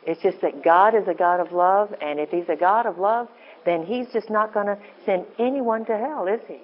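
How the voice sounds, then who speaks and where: A woman with a deep voice giving an informal, earnest talk to a women's group, often breaking off and restarting. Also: normal speed, dull audio, a little hiss or hum. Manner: rambling, self-interrupting, earnest. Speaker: women's ministry speaker.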